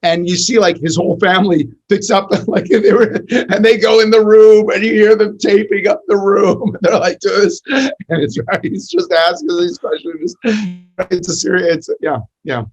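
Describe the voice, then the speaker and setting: A man's voice: high voice, moderate pace, darkish tone, dull audio. A middle-aged man, a rabbi, talking in a podcast interview, telling stories and teaching with many restarts and fillers. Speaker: rabbi and podcast host, guest.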